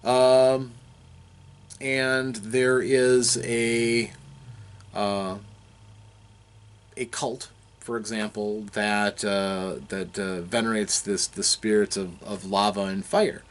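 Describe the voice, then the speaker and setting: Lower-pitched man explaining, halting and deliberate. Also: flat delivery, clean tone. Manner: halting, deliberate, thinking aloud. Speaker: game master explaining campaign design. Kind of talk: unscripted explanatory talk.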